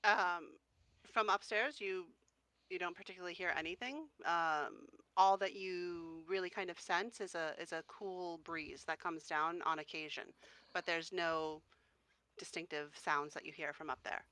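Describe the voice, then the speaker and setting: Woman DM, descriptive narration, halting with ums, bright and dry. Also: fairly low pitch, fairly even intonation, no room sound, rough recording. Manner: descriptive, hesitant with fillers. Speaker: game master. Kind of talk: narrating a tabletop game.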